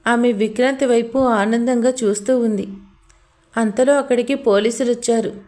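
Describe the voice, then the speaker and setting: Woman, storyteller, scripted audio drama narration, emotional delivery, fairly high voice. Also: steady tone, moderate pace, darkish tone.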